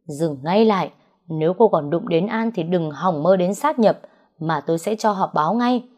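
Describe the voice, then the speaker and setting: A woman's voice: fairly low pitch, lively intonation, moderate pace, darkish tone. A woman reading the lines of a protective young man who speaks urgently.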